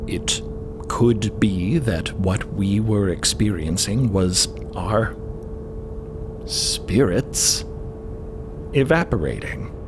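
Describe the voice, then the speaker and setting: A man playing a hesitant, measured scientist crewman in an audio fiction show, phrasing things carefully and haltingly. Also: fairly low pitch, background noise. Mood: cautious, measured.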